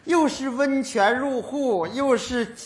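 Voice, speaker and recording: A man's voice: extremely high pitch, slow. A man playing a stubborn, touchy old widowed father in a stage comedy sketch, grumbling and sarcastic. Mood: indignant. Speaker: sketch actor. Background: audience laughter.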